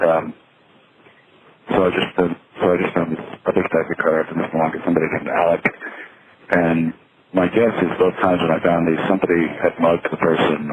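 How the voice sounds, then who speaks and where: A man giving a halting, reflective, confessional monologue on a payphone call from a city street, over a noisy line. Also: deep voice. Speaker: solo caller recording monologues from payphones.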